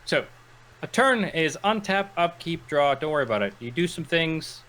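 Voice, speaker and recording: A man's voice: on the high side, moderate pace. A man co-hosting a casual gaming podcast, rambling through stories and acting out quotes as he goes. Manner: rambling, animated storytelling with acted-out quotes. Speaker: podcast co-host. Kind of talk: casual chat.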